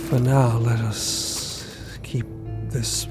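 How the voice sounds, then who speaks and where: A man voicing a grave undead leader in an audio drama, struggling to breathe, with halting, deliberate speech. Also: mid-range voice, fairly even intonation, over loud music. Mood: grave, weary. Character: faltering undead leader, grave, straining to live. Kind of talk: audio fiction acting.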